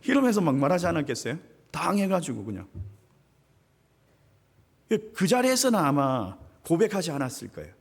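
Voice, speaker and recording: A man's voice: a little high, big pitch swings, normal speed, pauses often. A male senior pastor preaching a sermon, telling a story and addressing the congregation directly. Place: church sanctuary. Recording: reverberant church sanctuary.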